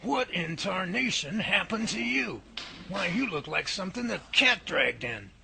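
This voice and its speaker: A man's voice: high-pitched, very animated, a little slow, vocal fry, pushed and bright, exaggerated voice. An actor in a hobby radio drama playing a folksy, curious older male professor who teases and asks questions, over a noisy recording. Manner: folksy and inquisitive.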